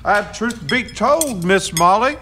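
A man's voice: high voice, animated, slow, background noise. An actor playing a salty, peacemaking riverboat crewman with a folksy, colourful way of talking in a radio drama. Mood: wry warning. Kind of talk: stage-like radio drama acting.

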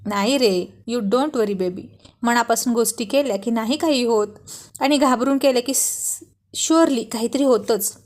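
A woman's voice: fairly high pitch, measured pace, lightly acted. A woman doing a pouting playful young wife. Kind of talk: storybook reading.

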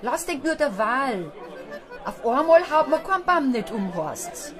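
An actress playing a canny, foreboding village woman in a Bavarian dialect audiobook drama, speaking deliberately and in proverbs. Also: high-pitched, very animated, over music, a crowd in the background. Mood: unhurried, teasing. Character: slow-spoken village woman handing out charms, foreboding, canny.

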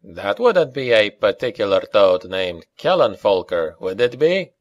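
A man voicing a calm, wry Scottish mercenary with a lilting burr in an audiobook. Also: lowish voice, measured pace, muffled recording. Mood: wary, thoughtful.

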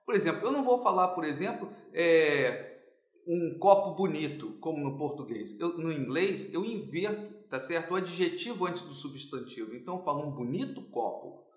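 A man's voice: on the high side, expressive, brisk, echoey room, highs cut off. A businessman who runs an English school, explaining in a teaching manner during an interview and checking in often with his listener. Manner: didactic, checks in with "tá certo?" often.

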